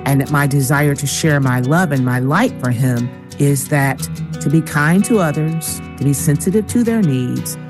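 A woman's voice: low-pitched, moderate pace, over music. Enthusiastic woman telling her story. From Michigan. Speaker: guest, singer and speaker. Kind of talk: casual interview talk.

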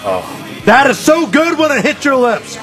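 An American man with a very high-pitched voice hosts live radio from a venue. He is effusive and hollers to the crowd, his pitch moving freely over faint music. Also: huge pitch swings, unhurried, a bit bright. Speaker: radio show host. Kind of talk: live on-location radio chat.

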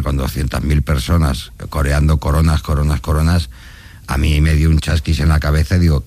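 Middle-aged male guest from Catalonia, booming bass, plain-spoken swearer, dead-dry studio sound. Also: dark tone, no room sound. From Catalonia, Spain. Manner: blunt, swears freely, tells anecdotes with laughs. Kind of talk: casual chat.

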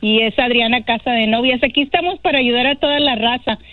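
Chatty high-voiced woman on a phone line. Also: fast talker, no echo. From Mexico. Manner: chatty, laughs easily. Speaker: guest, bridal shop owner. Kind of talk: phone-in radio interview.

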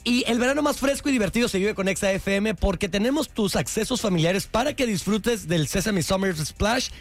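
A man's voice: high voice, animated, brisk, faint music behind. A man co-hosting a morning radio show, reading promotions in a playful, teasing way. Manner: playful, teasing, reads promos with mock-clumsy English. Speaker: radio co-host.

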